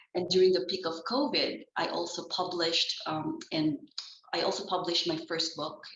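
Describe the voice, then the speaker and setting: Speaking with a non-native accent, a woman lets her pitch vary in an ordinary way. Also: moderate pace. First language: not English. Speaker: nurse leader and journal editor. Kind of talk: award ceremony speech.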